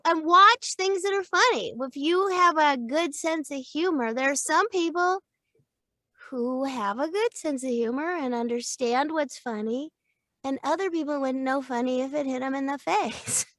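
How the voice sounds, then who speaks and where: Middle-aged woman w a high voice, talks slow and playful, laughs a lot, dry close sound. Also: no echo. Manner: expressive and playful, laughs often, thinks aloud with restarts. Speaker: podcast guest, voice actor and coach. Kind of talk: casual interview chat.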